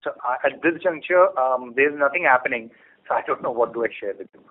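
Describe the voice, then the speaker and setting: Man, Indian accent, husky voice, narrow phone-band audio, corporate explaining, rhetorical questions. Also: mid-range voice, fast. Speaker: company executive on an earnings call. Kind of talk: explanatory business answers to analysts. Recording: phone-like conference call audio.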